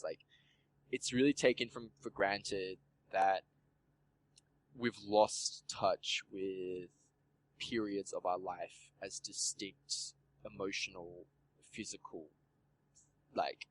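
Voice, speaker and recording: Male podcast host, low-pitched, loose and rambling, sprinkles "like" everywhere. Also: a bit bright, poor audio. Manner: rambling, peppered with "like", swears casually. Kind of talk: casual chat.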